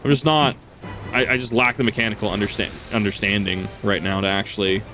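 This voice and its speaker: Streamer, male, lowish voice, loose rambling chatter over quiet game music. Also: fairly even intonation, brisk. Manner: rambling, many fillers and restarts. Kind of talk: casual gameplay chat.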